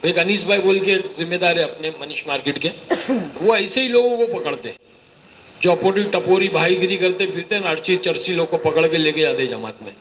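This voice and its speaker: A man giving an animated, storytelling sermon and mimicking the people in his stories. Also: sits high, fairly quick. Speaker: preacher giving a religious talk. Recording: slightly muffled recording with faint hiss.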